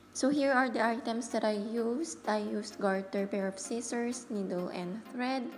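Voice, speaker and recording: A woman with a Filipino accent talks at a moderate pace. Her pitch sits fairly high, with ordinary variation. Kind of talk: DIY tutorial voice-over. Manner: casual, upbeat.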